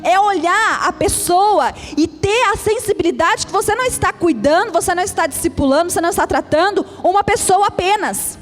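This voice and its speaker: A woman's voice: very high-pitched, brisk, few pauses. A woman pastor with a Brazilian Portuguese accent, preaching a sermon in an emphatic, repetitive cadence. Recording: reverberant hall with faint music.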